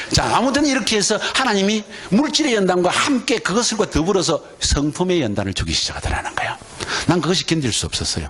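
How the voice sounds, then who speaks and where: A very fast, high-pitched man with a Gyeongsang accent and very wide pitch swings, amid noticeable background noise. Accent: Gyeongsang dialect Korean. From Gyeongsang Province, South Korea. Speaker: missionary. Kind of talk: sermon. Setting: church.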